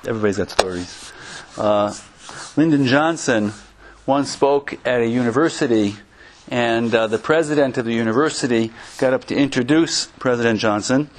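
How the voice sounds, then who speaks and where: An American man from Connecticut giving an informal religious lecture as a Jewish teacher, conversational and halting, with humorous asides. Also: medium pitch. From Connecticut, United States.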